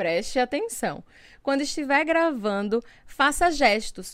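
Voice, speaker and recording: A woman's fairly slow, lively-toned speech on a very clean recording with a silent background. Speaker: speech therapist and vocal coach podcast host. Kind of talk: solo educational podcast monologue. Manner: warmed-up, controlled voice.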